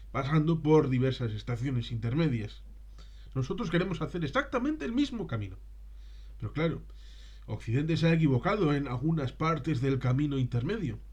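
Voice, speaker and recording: A man talks through an unscripted film review as its presenter. His delivery is discursive and halting, as he searches for words mid-sentence. He checks in with short tags and rhetorical questions along the way. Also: medium pitch, darkish tone, slightly rough.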